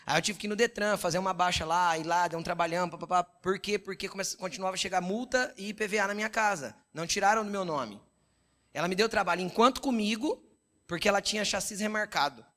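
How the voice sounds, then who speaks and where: A middle-aged man with a Brazilian Portuguese accent preaches in an easy, talkative way, on the higher side of a man's pitch. He tells personal stories, acts out quoted dialogue and keeps asking the congregation whether they understand. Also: fast, pushed and bright. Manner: conversational preaching with frequent "entendeu?" check-ins; storytelling, quoting God and his wife in dialogue. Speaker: pastor. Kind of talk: sermon.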